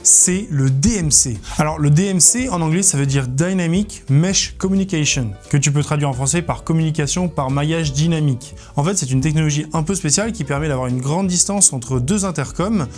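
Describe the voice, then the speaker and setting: Male presenter for casual gear review: fairly high-pitched, chatty and informal, joking at his own expense, soft music underneath. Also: brisk, hardly any pauses. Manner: informal, playful, self-mocking. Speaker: presenter of a motorcycle gear video. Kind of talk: casual product review to camera.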